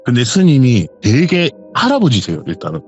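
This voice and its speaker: A man's voice: mid-range voice, a little fast, lo-fi sound, soft background music. A man, casually telling a true ghost story and acting out the voices of the people in it. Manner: animated retelling, acts out quoted voices.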